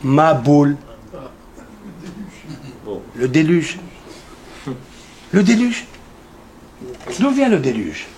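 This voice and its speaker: A rabbi teaches a lively Torah class to a congregation in a synagogue, peppering his listeners with questions, answering them himself, and hammering home key numbers. His man's voice sits a little high and darkish, swinging widely in pitch, and he speaks extremely slowly with long pauses.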